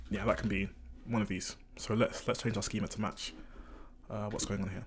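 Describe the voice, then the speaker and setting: A somewhat breathy, fairly low male voice at a fairly quick pace, with monotone, flat intonation. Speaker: programmer live-streaming game development. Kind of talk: live coding stream. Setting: live stream.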